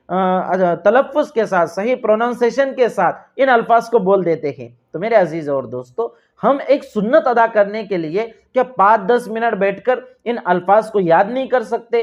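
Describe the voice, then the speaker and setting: A man with a Pakistani Urdu accent giving earnest, repetitive religious instruction and addressing viewers as dear friends. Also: high voice. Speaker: religious teacher. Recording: dull lo-fi sound.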